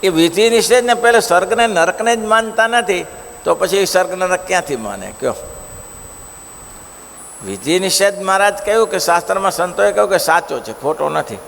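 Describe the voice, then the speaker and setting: A male preacher giving a devotional scripture discourse, telling stories in an animated way and asking the listeners rhetorical questions. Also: sits high, moderate pace, gravelly. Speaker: religious preacher. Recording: long hall reverb, faint noise.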